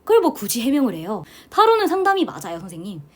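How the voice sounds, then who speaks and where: A middle-aged woman from South Korea teaching a tarot class, talking in a chatty, animated way and often addressing her listeners directly. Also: a little high, quick pace. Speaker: tarot instructor. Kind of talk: lecture to students.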